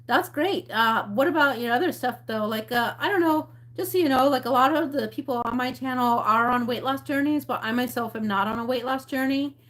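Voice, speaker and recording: A woman's voice: sits high, fairly quick, hardly any pauses, a bit bright. A woman from Mexico and the rural Southwest hosting a casual livestream, chatty and informal as she thinks aloud. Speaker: livestream host. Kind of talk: casual livestream chat, reading labels aloud and replying to viewers.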